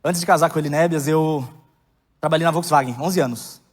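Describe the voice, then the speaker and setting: A male preacher with a Brazilian Portuguese accent tells stories with humor, moving between loud preaching and soft asides. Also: fairly high pitch, fairly quick. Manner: animated, humorous storytelling. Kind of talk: sermon. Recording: long reverb of a hall.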